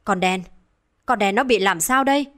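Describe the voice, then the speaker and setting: A woman's voice: mid-range voice, moderate pace, fairly bright tone, lightly acted. A woman voicing a distraught older village man who talks in frantic, stammering repeats. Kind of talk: dramatized horror storytelling.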